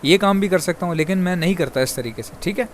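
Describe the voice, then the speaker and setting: Fast-talking man from Pakistan. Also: high-pitched, a little hiss or hum. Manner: rapid, chatty, addresses viewers as brother. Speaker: bird breeder vlogger. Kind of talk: fast casual monologue to viewers.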